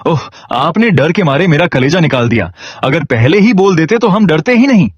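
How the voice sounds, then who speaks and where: A man's voice: on the high side, lively intonation, normal speed, slightly rough, no echo, dull audio, voice pushed up. Man doing a flustered, jokey young farmer.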